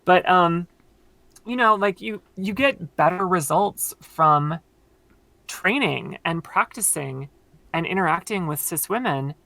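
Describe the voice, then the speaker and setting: A woman with a very low voice, explaining at length in casual conversation with many fillers, her voice tired from long talking. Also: expressive, takes it slowly, bright, forceful tone, dry recording, low-quality recording. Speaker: podcast guest.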